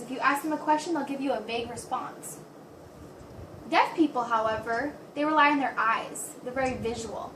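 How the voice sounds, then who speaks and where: High-voiced woman, echoey distant recording. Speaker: voice interpreter for a signed presentation. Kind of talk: spoken interpretation of a signed talk, informal presentation. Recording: roomy echo, distant mic, background hiss.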